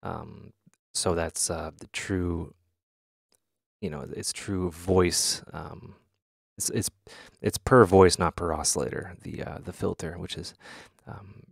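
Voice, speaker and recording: A man hosting a software tutorial in casual talk, halting and thinking aloud as he demonstrates. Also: sits low, steady tone, gravelly, husky, no echo, clean studio sound. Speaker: tutorial host.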